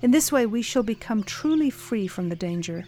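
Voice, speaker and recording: A woman voicing a wise male quail who calmly counsels his flock. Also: fairly high pitch, moderate pace, natural voice. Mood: earnest.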